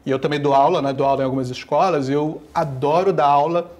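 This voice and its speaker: Man from Taiwan, panel guest, somewhat high voice, enthusiastic, repetitive. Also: fairly even intonation, fast talker. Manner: enthusiastic, repeats himself. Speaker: guest filmmaker and teacher. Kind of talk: casual panel talk.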